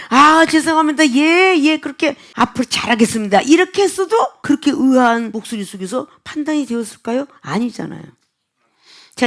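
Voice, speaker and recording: Woman pastor, sermon delivery, lively swooping pitch, fairly high voice. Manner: animated preaching, acts out quoted speech with sharp pitch jumps.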